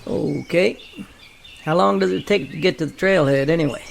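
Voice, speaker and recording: A man's voice: on the high side, moderate pace, gravelly, a little hiss or hum. An actor playing an eager young man on a hunting trip in an audio drama. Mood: eager, curious. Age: young adult.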